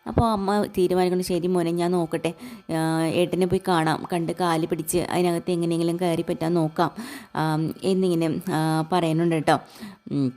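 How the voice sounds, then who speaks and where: A woman's voice: fairly low pitch, little pitch movement, fairly quick, darkish tone. A woman, casually retelling a serial story and quoting its dialogue in her own voice. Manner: plain retelling, quotes dialogue in her own voice, frequent filler "kettō". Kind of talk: casual spoken recap of a serial.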